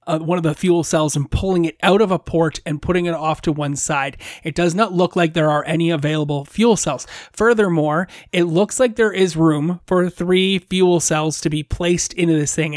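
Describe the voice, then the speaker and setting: A game master narrating a streamed tabletop game, descriptive and playful with quick asides. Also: medium pitch, no echo, clean studio sound.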